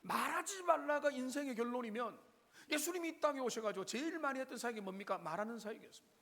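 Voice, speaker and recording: A man's voice: very high voice, lively intonation, fast talker, fairly bright tone. A man preaches a Sunday sermon in his church. He speaks straight to the congregation. He asks them question after question. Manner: preaching with frequent direct address to the congregation and rhetorical questions. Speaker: pastor. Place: church sanctuary.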